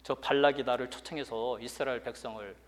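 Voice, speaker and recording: A man preaching voices a wavering male prophet who asks again and again whether to go, quiet and unsure. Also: mid-range voice, fairly even intonation, brisk, close to an everyday voice. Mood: anxious wavering. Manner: quiet, hesitant. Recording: long hall reverb.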